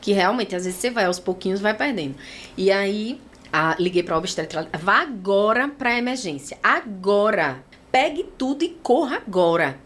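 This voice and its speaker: A woman from Brazil telling an emotional personal testimony as an interview guest, acting out what others said in lively voices. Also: mid-range voice, moderate pace. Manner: animated storytelling, acting out other people's lines.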